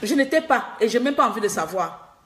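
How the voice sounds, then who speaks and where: A woman from Gabon delivering a fiery political monologue, scolding and repeating herself, laughing at times and dropping to a low confiding tone. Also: sing-song, fast talker, a little hiss or hum. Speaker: political activist vlogger.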